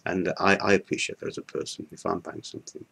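An older man from Yorkshire, England, records an off-the-cuff product testimonial to his webcam in a room with a curtain behind him. His voice is very deep, a touch husky, level and sharp in tone, and he stumbles along hesitantly with plenty of ums, uhs and restarted sentences.

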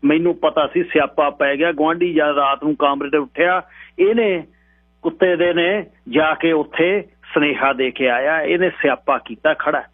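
A man's voice: a little high, normal speed, voice pushed up, lightly acted. A man voicing an elderly, frightened village mother who pleads and laments, heard over a tinny radio broadcast with a hum. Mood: pleading.

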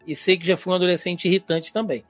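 A man's voice: sits high, little pitch movement, fast, soft background music. A Brazilian man hosting an interview, chatting casually and thinking aloud with informal asides. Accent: Brazilian Portuguese. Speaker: show host.

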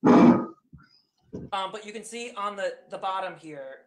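A man hosting a charity livestream from his home while painting at an easel, talking softly about his work. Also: sits high, lively intonation, slow pace, low-quality recording. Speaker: host, painter.

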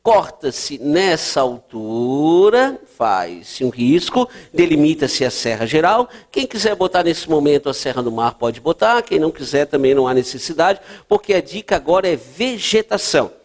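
Guy teaching geography at a board, higher voice, keeps asking "right?". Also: lively intonation, a little fast, hardly any pauses. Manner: explanatory, checks in with "certo?" and "né?". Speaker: prep-course geography teacher. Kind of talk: lecture at a board.

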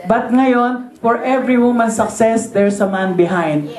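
A woman's voice: fairly high pitch, unhurried, crowd noise. A woman in her sixties with a Filipino accent, chatting at a party into a handheld microphone and slipping Tagalog fillers into her English. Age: 60s. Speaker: event host. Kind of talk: casual remarks at a party. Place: crowded living room at a party. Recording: roomy room.

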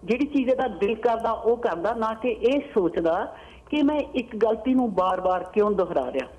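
A woman phones in to a talk show, her voice coming through a dull, muffled phone line. She gives her opinion firmly, pausing on fillers as she searches for words. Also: on the high side, lively intonation. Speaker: caller.

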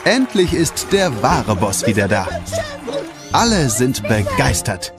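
A man's voice: mid-range voice, sing-song, slow. A man narrating a children's audio drama in a scripted storytelling style. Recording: loud music behind the voice.

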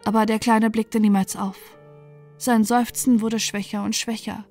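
A woman calmly reading a dark fairy tale aloud as a bedtime story, in a gentle, even manner. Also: a little high, a little slow. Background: soft background music.

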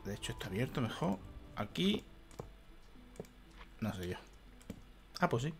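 A man's voice: medium pitch, big pitch swings, a little slow, gravelly, soft background music. Exasperated man narrating gameplay. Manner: exasperated, swearing and muttering to himself. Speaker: gaming youtuber. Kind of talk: let's play commentary.

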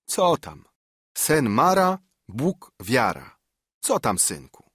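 A man's voice: mid-range voice, huge pitch swings, slow, fairly bright tone, slightly rough, no room sound, clean studio sound, voice pushed up, heavily acted. A man voicing an old widowed mother who soothes her frightened son in a coaxing, sing-song way. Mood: soothing.

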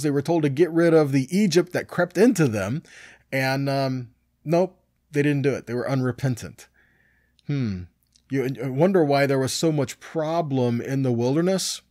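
A man's voice: mid-range voice, a little mellow, no echo, clean studio sound. A middle-aged man teaching scripture in an informal sermon, conversational and often answering his own questions. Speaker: Bible teacher.

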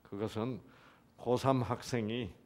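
A man's voice: mid-range voice, unhurried, slight background noise. A middle-aged man giving a church lecture on the Bible, questioning the audience and joking as he goes. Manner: lively, questions the audience, jokes and laughs.

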